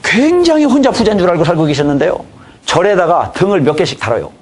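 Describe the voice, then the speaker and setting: A man in his fifties, a pastor, delivers a church training lecture on evangelism, spinning folksy family stories and acting out dialogue. His voice sits high and sounds slightly rough, and he talks fast with a lot of animation.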